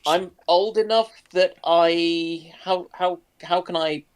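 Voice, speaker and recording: Slow-paced, hesitant man in his forties. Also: high voice, steady tone, clean tone. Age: 40s. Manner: hesitant, starts and restarts phrases. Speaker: geriatrician who trains doctors. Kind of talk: casual group chat on a livestream.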